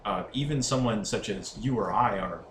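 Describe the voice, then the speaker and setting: Low-voiced man in an echoey room. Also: normal speed, a bit bright. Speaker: player in a tabletop role-playing game. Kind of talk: casual in-character game discussion. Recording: echoey, distant mic, faint noise.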